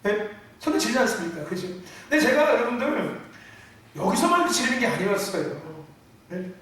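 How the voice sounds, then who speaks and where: A middle-aged man preaching a sermon, calling out to the congregation often and mixing loud emphatic bursts with chuckles. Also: very high-pitched. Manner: emphatic preaching with frequent call-outs to the congregation. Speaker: pastor. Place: church sanctuary. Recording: echoey church hall from far off.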